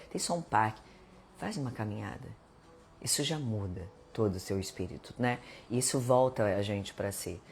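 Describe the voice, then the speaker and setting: A woman's voice: rumbling low, a little mellow, slight background noise. Chatty Brazilian woman giving life advice. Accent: Brazilian Portuguese. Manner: chatty, conversational, addresses viewers as gente, acts out little dialogues. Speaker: live stream host. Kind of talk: casual self-help talk.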